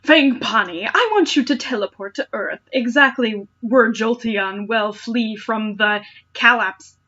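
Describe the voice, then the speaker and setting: A woman's voice: on the high side, a little slow, pushed and bright, muffled recording. A woman voicing a gloating, villainous fire-creature queen in an imperious, theatrical way for a fan story reading. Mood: commanding.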